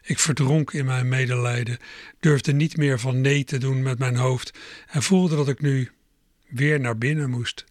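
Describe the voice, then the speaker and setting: Middle-aged male reader for a reflective first-person story, calm and measured, dry booth sound. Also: medium pitch, no echo. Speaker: narrator. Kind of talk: storybook reading.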